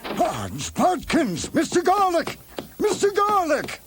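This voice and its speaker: A man's voice: on the high side, huge pitch swings, moderate pace, fairly bright tone, slight background noise. A man voicing a flustered, melodramatic theatrical assistant with flowery speech in a cartoon. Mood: frantic. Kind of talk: animated cartoon dialogue.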